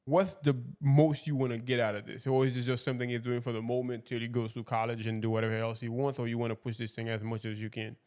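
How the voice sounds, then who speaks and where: A man's voice: medium pitch, flat delivery, fast, few pauses, a little mellow. A man hosting a casual podcast interview, asking long, rambling questions with restarts. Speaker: podcast host.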